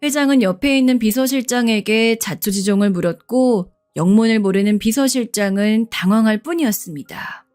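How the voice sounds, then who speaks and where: A woman reading a first-person radio story in a steady scripted narration, over faint background music. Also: fairly high pitch, normal speed, few pauses.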